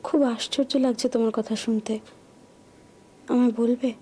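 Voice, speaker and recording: An actress playing a clingy young woman who is a fellow patient, gentle and pleading, with a Bengali accent. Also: fairly high pitch, level tone, moderate pace, husky. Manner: gentle, pleading, easily hurt. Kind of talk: TV serial drama acting.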